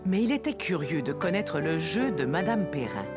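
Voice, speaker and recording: A woman narrating a children's cartoon as a gentle storyteller, in a storybook delivery. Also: low-pitched, very animated, moderate pace. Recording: music behind the voice.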